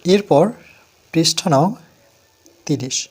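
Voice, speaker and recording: A man with a fairly high voice and a West Bengal Bengali accent talks students through a place-value lesson. He counts each item aloud in a patient, steady rhythm. He keeps asking the class questions and then answers them himself. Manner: counts aloud slowly, asks and answers his own questions. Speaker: math teacher. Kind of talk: step-by-step math lesson.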